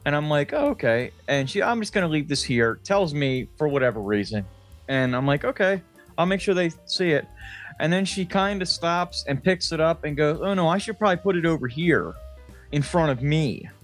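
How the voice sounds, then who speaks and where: A man with a slightly high voice chats casually as a comedy podcast co-host. He tells crude anecdotes in an animated, sweary manner. Faint music plays behind him. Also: moderate pace. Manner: profane, animated anecdote telling. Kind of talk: casual comic storytelling chat.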